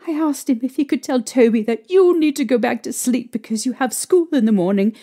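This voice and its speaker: Woman acting distraught haunted mother, mellow higher voice. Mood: horrified. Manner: emotional, halting storytelling. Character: distraught haunted young mother recounting a terrifying ordeal. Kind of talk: audio drama acting.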